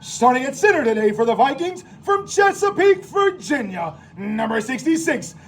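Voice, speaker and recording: A male American public address announcer with an extremely high-pitched voice. His delivery swoops up and down as he announces football lineups, stretching out names with theatrical flair. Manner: theatrical, drawn-out name calls.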